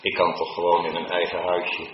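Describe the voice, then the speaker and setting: A man preaching a sermon to his congregation in church, now and then rising into loud, high, drawn-out calls. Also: monotone, reverberant, dull audio, noisy background. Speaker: pastor.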